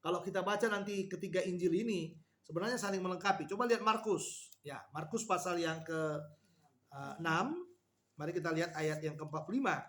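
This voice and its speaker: A man preaching a sermon to a women's fellowship, explaining Bible passages and acting out quoted lines with lively repetition. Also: high-pitched, brisk. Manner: animated, repeats key phrases, acts out quoted lines.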